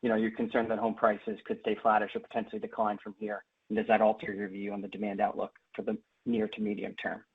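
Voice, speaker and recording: A man's voice: fairly low pitch, monotone, fast, hardly any pauses, husky. A man asking a prepared question as a financial analyst on an earnings call. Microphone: phone. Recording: thin phone-line audio.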